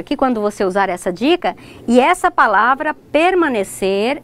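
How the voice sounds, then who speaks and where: Lively-voiced woman teacher explaining. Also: fairly high pitch. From Brazil. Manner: explains step by step, checks in with "ok?"; addresses students directly, points at examples. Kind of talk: recorded distance-learning lesson.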